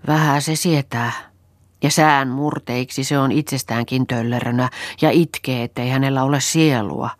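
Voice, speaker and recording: A woman's voice: extremely low pitch, fairly even intonation, dry recording. A woman reading an audiobook, voicing a weary, plain-spoken country woman who rambles matter-of-factly. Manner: rambling, matter-of-fact storytelling.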